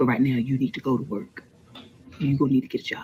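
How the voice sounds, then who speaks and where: Someone whispers in a put-on character voice. The pace is very fast. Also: man. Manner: slick, whispering.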